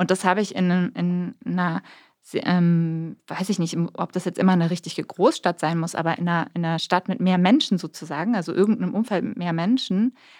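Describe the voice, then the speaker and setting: In a very clean recording with a silent background, a woman speaks at a fairly low pitch with fairly even intonation. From Baden-Württemberg. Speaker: podcast co-host. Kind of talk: casual chat. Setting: studio.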